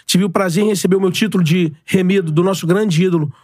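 A man's voice: sits high, steady tone, fast, a little mellow, dry recording, clean studio sound. A man, a guest in a podcast interview who talks earnestly and repeats his points. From Brazil. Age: 40s. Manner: earnest, repeats himself, speaks in slogans. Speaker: guest, club presidential candidate.

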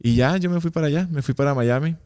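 A man's voice: on the high side, fast, clean tone. A young Mexican man with a Mexican accent, a guest telling a personal story in a casual interview and acting out the dialogue. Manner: animated, acts out quoted dialogue.

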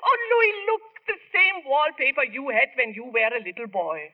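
A woman's voice: high-pitched, big pitch swings, normal speed. An actress playing a bossy, practical older immigrant mother in a 1940s radio drama, insistent and unpolished in her grammar. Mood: self-satisfied. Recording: dull, muffled vintage radio broadcast.

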